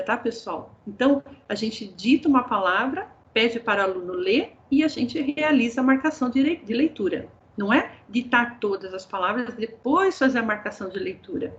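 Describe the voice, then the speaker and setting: A Brazilian Portuguese-accented woman walks teachers through student work in a training session. Her voice sits fairly high and comes through muffled, lo-fi video call audio. She explains patiently and keeps turning to the group for agreement. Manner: explanatory, addresses audience as pessoal. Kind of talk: online teacher training presentation.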